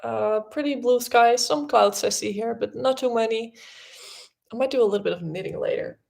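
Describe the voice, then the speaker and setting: A woman's voice: a little high, normal speed, vocal fry, darkish tone. A young woman whose first language is Dutch, chatting casually and rambling with many fillers as host of a livestream podcast.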